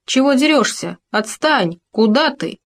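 A woman's voice: high voice, lively intonation, measured pace, voice pushed up. A woman voicing a fussy, boastful young male hamster who wails and grumbles indignantly. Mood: panicked. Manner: wailing, indignant outbursts.

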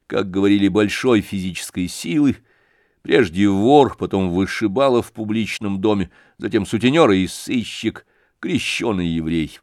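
A man narrating an audiobook in a measured, dramatic reading. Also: lowish voice, a little mellow, no room sound, clean studio sound. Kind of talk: scripted narration.

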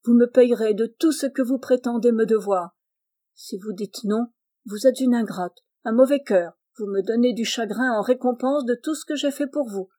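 A woman reading aloud and voicing a bluff, hearty male farmer who talks in gruff exclamations. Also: a little high, normal speed, mellow, natural voice.

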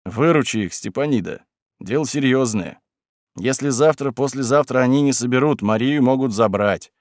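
A man's voice: medium pitch, moderate pace, darkish tone, no echo, studio quality, close to an everyday voice. A man voicing an earnest middle-aged village foreman who speaks firmly and persuasively. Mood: persuading. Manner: firm and persuasive.

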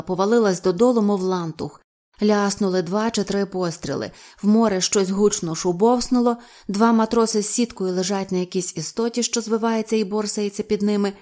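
Lady reading a novel aloud, steady expressive storytelling. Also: mid-range voice. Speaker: audiobook narrator. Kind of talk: storybook narration.

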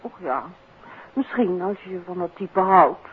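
An actress playing a detective's curious, teasing wife in a 1950s Dutch radio play, with a Netherlands accent. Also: female voice, lowish voice, lively intonation, a little slow, slightly rough, full character voice. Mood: wry, teasing. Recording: tinny, noisy 1950s radio recording.

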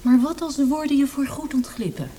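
A down-to-earth wife speaks in a fairly high but mellow voice. She is probing and matter-of-fact, in natural radio drama style. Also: animated, fairly quick, a little hiss or hum. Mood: concerned, serious.

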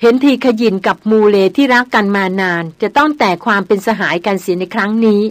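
A woman reading the lines of a proud older male village headman with a hoarse, gruff voice in an audiobook. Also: mid-range voice, fast talker, dry recording, lightly acted. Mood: solemn.

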